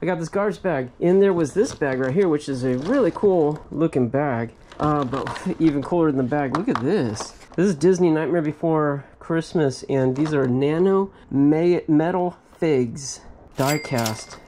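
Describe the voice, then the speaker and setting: A man's voice: on the high side, unhurried, mellow, a little hiss or hum. A man hosting a casual storage-locker vlog, thinking aloud as he digs through items, with frequent hmms and little laughs. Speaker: storage locker reseller host. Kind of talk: casual unboxing commentary. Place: cluttered metal storage unit.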